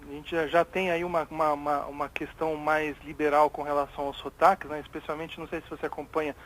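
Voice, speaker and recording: A man's voice: a little high, little pitch movement, fast, fairly bright tone, a little hiss or hum, poor audio. A Brazilian man co-hosting a radio talk show, chatting casually with many restarts and reading news items aloud. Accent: Brazilian Portuguese.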